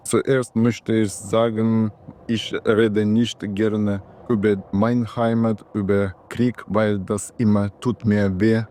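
A man from the Ukraine speaking German as a learner, slow and earnest, pausing to search for words. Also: lowish voice, flat delivery, dark tone. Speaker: interviewee. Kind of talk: halting interview speech in a learned language.

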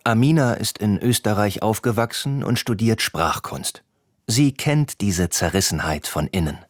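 A man's voice: fairly low pitch, lively intonation, moderate pace, no echo, clean studio sound. A man narrating a documentary feature.

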